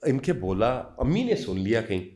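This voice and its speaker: A man's voice: medium pitch, sing-song, darkish tone. A man from Pakistan in his fifties, a university lecturer telling personal stories as a podcast guest, mixing in English phrases. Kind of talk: anecdotal storytelling.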